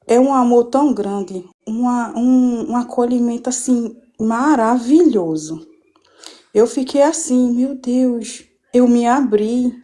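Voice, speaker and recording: Fervent woman with a mellow voice. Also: fairly high pitch, slow. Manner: fervent, rambling, with many restarts. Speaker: guest giving a church testimony. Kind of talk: emotional personal testimony on a live stream. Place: at home.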